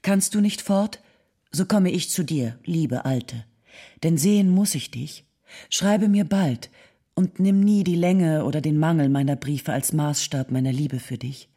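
A husky, affectionate letter writer. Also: female voice, low voice, unhurried, dark tone. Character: affectionate, encouraging 19th-century woman writing to an old friend. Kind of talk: dramatic reading of historical letters.

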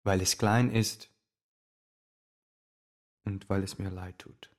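An actor playing a reflective radio host, delivering a deliberate scripted monologue about his own past. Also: low voice, steady tone, heavy background noise. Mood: subdued, wry. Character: reflective radio host recalling his Balkan immigrant upbringing. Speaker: radio show presenter.

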